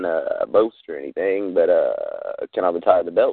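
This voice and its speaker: A man speaks at a moderate pace. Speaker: rapper, caller. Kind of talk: casual chat. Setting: phone call.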